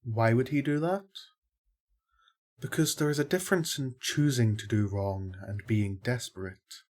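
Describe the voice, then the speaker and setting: A man playing a kindly, fair-minded archangel in an audio drama, explaining things in a measured, wry way. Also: mid-range voice, a little mellow, natural voice. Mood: thoughtful.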